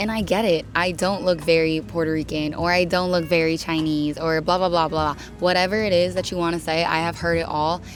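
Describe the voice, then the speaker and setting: A woman with an American accent talks at a fairly quick pace with hardly any pauses and a monotone, flat intonation over music in the background. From Oakland, California. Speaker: vlogger. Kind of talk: personal vlog monologue. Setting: in public.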